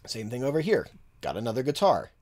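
A man's voice: mid-range voice, fairly quick. A man in his thirties giving a casual tutorial on mixing from a home studio, thinking aloud as he works. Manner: relaxed, thinking aloud with fillers. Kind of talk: casual screen-share tutorial.

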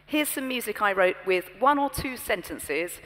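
British woman, keynote speaker, expressive storytelling, large hall reverb, mid pitch. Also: normal speed. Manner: poised, expressive, storytelling delivery. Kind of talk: scripted keynote speech. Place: large conference stage.

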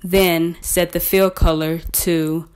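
A woman presenting a scripted step-by-step software tutorial in a measured, instructional way. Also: fairly low pitch, flat delivery, clear, resonant tone.

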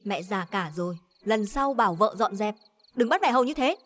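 A woman's voice: mid-range voice, expressive, moderate pace, natural voice. An actress playing a stern elder sister-in-law in a TV drama, lecturing her brother and his wife in a reproachful way.

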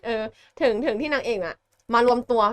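A woman co-hosting a podcast, retelling a novel in an animated, slangy, blunt way. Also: on the high side, fairly quick, a crowd in the background. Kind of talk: casual chat.

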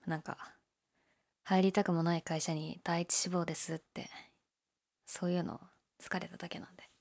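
A young woman playing a laid-back, shyly candid gyaru convenience-store clerk in an audio drama, with a breathy, hesitant, mumbled delivery. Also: level tone, moderate pace, darkish tone. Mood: low-key, candid. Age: young adult. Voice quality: low, breathy. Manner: listless, hesitant, mumbled casual polite speech. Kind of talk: male-oriented situation voice drama, casual chat.

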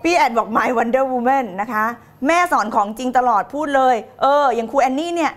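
A woman's voice: high voice, normal speed. A middle-aged woman teaching on a live stream, reading viewer comments in a playful, theatrical way. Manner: playful and theatrical, laughing and putting on voices.

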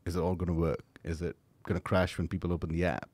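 A man from Liverpool chats frankly as a guest on a podcast panel, his voice sitting on the low side. He often restarts his sentences and laughs at himself. The sound is dry and close. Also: flat delivery, quick pace, darkish tone, no echo. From England (Liverpool). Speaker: startup founder, panel guest. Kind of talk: casual podcast panel chat.

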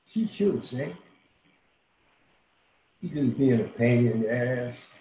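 A man's voice: mid-range voice, dark tone. An actor in his sixties playing a dying, world-weary old bar owner in a folksy, salty, intimate dramatic monologue. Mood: wry, fond. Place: small room at home, indoors. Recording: roomy home webcam audio, faint hiss.

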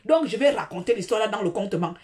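Animated woman on a live stream. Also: fast. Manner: dramatic, repeats words, swings between loud outbursts and low asides.

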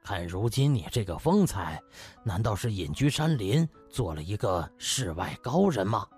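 A man's voice: fairly low pitch, sing-song, moderate pace, a little mellow, breathy edge, faint music behind, voice pushed down. A man voicing an effusive, self-assured older hospital director in an audiobook, with exclamatory delivery. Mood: admiring.

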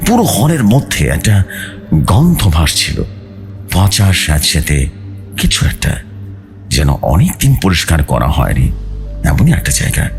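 A man's voice: low voice, very animated, unhurried, long pauses. A man reading a scripted horror story aloud in a suspenseful, theatrical way. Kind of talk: dramatic scripted horror narration, read aloud. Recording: music bed behind the voice.

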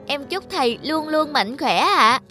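A woman's voice: sits high, expressive, unhurried, music in the background. A woman voicing an earnest, polite young schoolboy in a cartoon, speaking respectfully and eager to please. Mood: earnest, wistful. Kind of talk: cartoon voice acting.

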